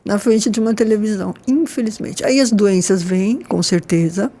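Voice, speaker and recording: A woman in her sixties, a nurse, talking warmly and expressively in a casual panel conversation. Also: medium pitch, normal speed. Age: 60s. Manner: enthusiastic, expressive, with frequent "né?" tags. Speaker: nurse and guest.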